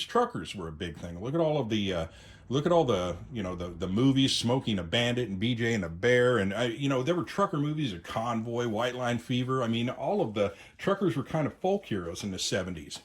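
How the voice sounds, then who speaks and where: A middle-aged man with an American accent speaks in a fairly low voice, as a video host talking off the cuff. He shares his opinions conversationally, pausing often as he finds his phrasing. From United States. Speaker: YouTube host, amateur radio enthusiast. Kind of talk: unscripted opinion monologue to viewers.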